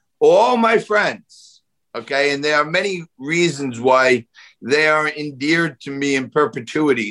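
A man in a New York accent with a bright, sharp tone. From Staten Island, New York. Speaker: TV finance host and Wall Street veteran. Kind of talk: casual interview chat.

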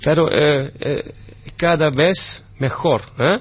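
With noticeable background noise, a man speaks in a Dutch accent. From Netherlands. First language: Dutch (speaking Spanish). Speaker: orchestra conductor. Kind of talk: radio interview. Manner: halting.

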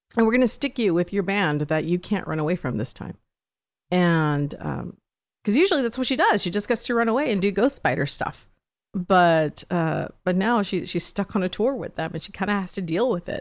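A woman with an American accent, an unremarkable speaking voice at medium pitch, lively intonation and a fairly quick pace. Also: very clean recording, silent background. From Chicago. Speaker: comic book writer. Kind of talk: interview. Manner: fast.

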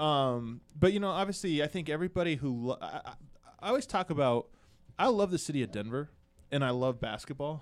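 At a fairly quick pace, a man with an ordinary speaking voice talks in a fairly high pitch with lively intonation on a very clean recording with a silent background. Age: 30s. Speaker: basketball reporter. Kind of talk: casual chat.

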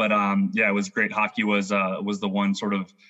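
A man speaks with a Western Canadian accent. His pace is very fast. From northern British Columbia, Canada. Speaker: hockey app co-founder, former goaltender. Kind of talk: casual interview chat.

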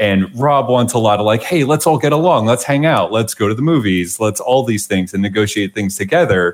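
The speech moves at a fairly quick pace with lively intonation and very even loudness. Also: man, medium pitch for a man. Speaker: listener asking a question. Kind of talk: casual chat. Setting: video call.

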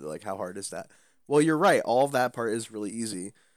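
This man has an unremarkable speaking voice with a fairly low pitch. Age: 20s. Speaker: podcast co-host. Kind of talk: casual chat.

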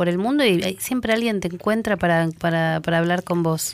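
A woman speaks at a fairly low pitch in an unremarkable speaking voice, with ordinary pitch variation, in a very clean recording with a silent background. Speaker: radio host. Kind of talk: interview. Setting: radio studio.

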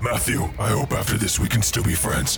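Over loud music in the background, a man uses a put-on character voice with a very deep, low pitch. He talks at a fairly quick pace. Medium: audio drama. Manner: formal alien diction, emotional.

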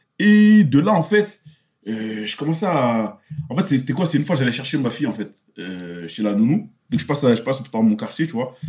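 A man talks at a medium pitch. His pitch swings are very wide. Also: moderate pace. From Paris suburbs, Gennevilliers. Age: 20s. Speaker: web developer and media creator. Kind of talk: interview. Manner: casual, hesitant with fillers.

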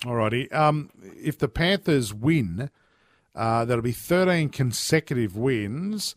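A man with an Australian accent, medium pitch and lively intonation at a very slow pace, in a dry, close sound with no echo on a very clean recording with a silent background. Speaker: sports podcast host. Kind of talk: casual chat.

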